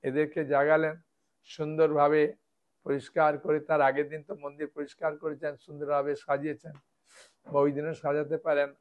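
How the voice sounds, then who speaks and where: A man's voice: on the high side, dull audio. A man, a monk preacher, giving a devotional lecture and explaining step by step, often checking with his listeners.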